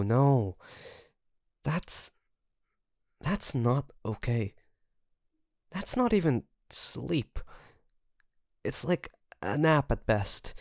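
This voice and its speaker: A man acts out a young male best friend in an intimate roleplay, caring but nervous. His voice is gravelly at the edges and very dry and close. He speaks slowly and haltingly, as if to one listener. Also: medium pitch, no room sound. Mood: concerned, scolding. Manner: hesitant, halting, soft nervous chuckles. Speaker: voice actor.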